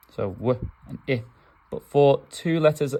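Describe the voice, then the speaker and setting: Ordinary pitch variation marks this man's speech in a Northern English accent. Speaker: primary school teacher. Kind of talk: tutorial.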